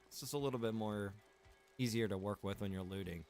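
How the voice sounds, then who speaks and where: A man's voice: on the low side, fairly quick, a little mellow, faint music behind. A man chatting casually and thinking aloud as he hosts a gaming livestream. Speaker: livestream host, gamer.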